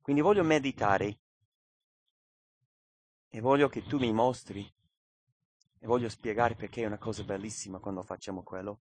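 A man's voice: mid-range voice, a bit bright, no room sound. A man preaching a sermon in an earnest, emphatic way, often asking rhetorical questions.

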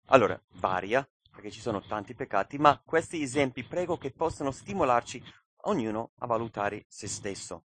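A man's voice: mid-range voice, animated, normal speed, a bit bright, slightly rough. A man preaching a sermon in an earnest, emphatic way, often asking rhetorical questions.

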